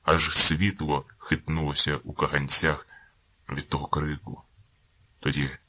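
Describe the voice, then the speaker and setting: A man narrating literary prose as an audiobook in a measured, dramatic reading. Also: a bass voice, pushed and bright, dry recording.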